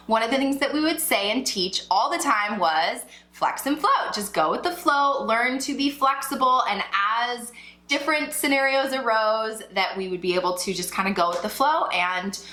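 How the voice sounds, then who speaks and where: A woman in her thirties talks to camera as a birth coach, chatty and upbeat. Her voice is bright and a touch high. The room around her is echoey. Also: animated, moderate pace. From Ecuador. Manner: chatty and upbeat, many likes and slashes. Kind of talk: casual vlog explainer.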